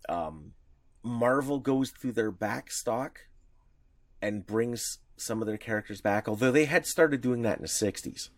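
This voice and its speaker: A man's voice: mid-range voice, expressive, a little slow, no room sound. A man co-hosting a podcast, chatting casually about comics history, rambling with lots of fillers and restarts. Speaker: podcast co-host.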